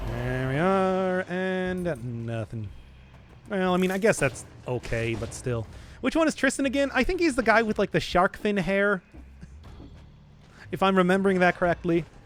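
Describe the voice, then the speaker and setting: Over music in the background, a man with a Chicago accent speaks at a moderate pace in a high voice, with very wide pitch swings and long, frequent pauses. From US Midwest, Chicago. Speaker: video game streamer. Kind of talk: casual chat. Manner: animated.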